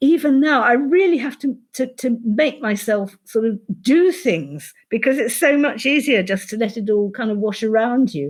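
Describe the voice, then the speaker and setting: An English-accented woman, high in pitch with very wide pitch swings, at a moderate pace with hardly any pauses, on a very clean recording with a silent background. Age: 70s. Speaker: sportswriter. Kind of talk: interview. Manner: halting.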